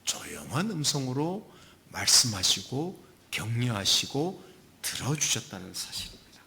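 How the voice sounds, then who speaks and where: A man preaching a sermon as pastor, moving between loud emphasis and soft whispers and acting out quoted voices. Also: medium pitch, big pitch swings, normal speed. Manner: acts out quoted voices of God and Elijah.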